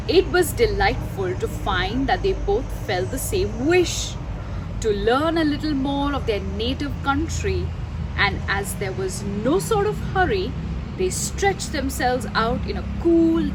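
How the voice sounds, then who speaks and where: Lady doing storytime for kids outside, highish voice, expressive, asks questions, noisy behind her. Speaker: children's storyteller, host. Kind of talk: read-aloud storytelling for children. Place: outdoors under a mango tree. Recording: noisy outdoor recording.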